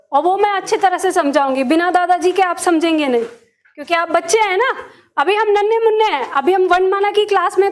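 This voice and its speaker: An Indian woman teaching a lesson in a patient, step-by-step way, often checking that her students follow. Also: very high-pitched. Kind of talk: classroom lesson.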